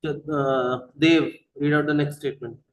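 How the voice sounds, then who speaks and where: A man's voice: a little high, steady tone, normal speed, highs cut off. A man with a South Asian accent teaching an interactive online lesson, prompting pupils with short questions and switching between English and Hindi. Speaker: teacher leading an online class.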